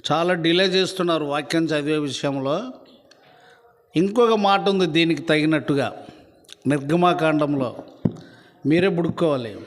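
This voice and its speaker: A male pastor preaching with a notably high voice in a church meeting. He talks sternly, then rises to emphatic declarations. The sound carries a long reverb from the hall. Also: moderate pace, pauses often. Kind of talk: sermon.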